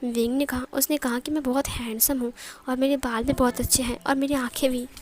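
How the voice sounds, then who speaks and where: A woman's voice: sits high, level tone, a little fast, a little mellow. A woman narrating a fan fiction romance, voicing every character herself in a casual, conversational way. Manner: conversational storytelling with frequent restarts. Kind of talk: reading a romance story aloud, voicing all characters.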